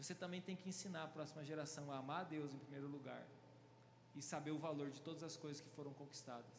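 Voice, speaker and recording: Recorded with audible room echo, a somewhat breathy man with a fairly high pitch speaks at a very fast pace in a monotone, flat intonation. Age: 30s. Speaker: pastor. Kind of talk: sermon.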